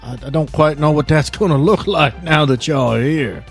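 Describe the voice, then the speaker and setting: A man voicing a weary, injured man with a halting, folksy manner in a tabletop roleplay. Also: fairly high pitch, soft background music, voice pushed up, close to an everyday voice. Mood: weary, welcoming.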